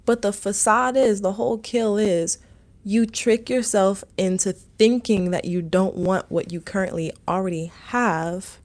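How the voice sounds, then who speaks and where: A woman's voice: medium pitch, measured pace, a little mellow. A young woman from Maryland hosting a casual livestream as a meditation teacher, rambling through viewer comments with lots of "like" and "um". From Maryland, USA.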